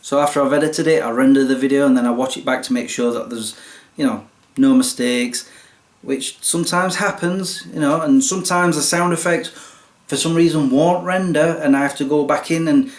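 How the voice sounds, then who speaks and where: A man's voice: on the high side, moderate pace. A young man casually explaining, step by step, how he films and edits his videos, with a self-deprecating manner. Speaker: YouTube creator. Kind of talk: casual behind-the-scenes explanation. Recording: roomy echo.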